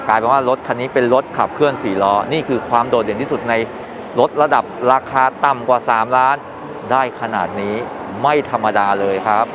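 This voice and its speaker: A middle-aged man presenting a walkthrough at a car show, upbeat and informative, recorded on a lapel mic in a large indoor exhibition hall. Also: medium pitch. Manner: upbeat and informative, with polite sentence endings. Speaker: motoring reporter. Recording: noisy exhibition hall ambience.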